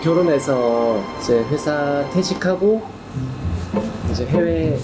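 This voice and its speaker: A man's voice: fairly high pitch, slow pace, music in the background. A man in his early thirties introducing himself casually in a group. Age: early 30s.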